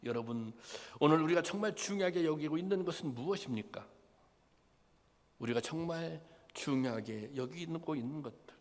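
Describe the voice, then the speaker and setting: Pastor preaching in an echoing church. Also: male voice, fairly high pitch, animated, moderate pace. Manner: asks the congregation many rhetorical questions; acts out quoted lines in a plain conversational voice. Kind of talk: sermon. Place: church sanctuary. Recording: long hall reverb.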